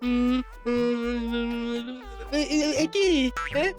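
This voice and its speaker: A woman's voice: on the high side, extremely slow, darkish tone. A woman playing a flustered, complaining snack-stall shopkeeper in a cartoon, exclaiming with indignation. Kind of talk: cartoon voice acting. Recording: music behind the voice.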